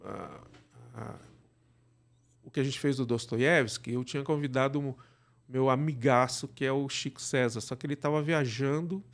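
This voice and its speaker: A Brazilian man speaking as an interview guest, explaining things casually and haltingly, often checking that he is followed. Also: medium pitch, vocal fry. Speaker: podcast guest, radio drama producer.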